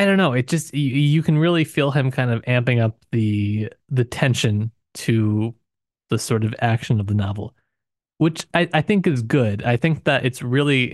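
A man's voice: medium pitch, dry recording. Wry man in a dry studio booth. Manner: wry, teasing, joking asides. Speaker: podcast co-host. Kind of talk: casual book discussion. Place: recording booth.

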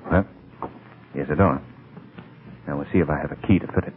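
An actor playing a suave, wry gentleman sleuth in an old-time radio drama, urbane and drily ironic, on a tinny old recording. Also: rumbling low, brisk. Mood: hushed, teasing.

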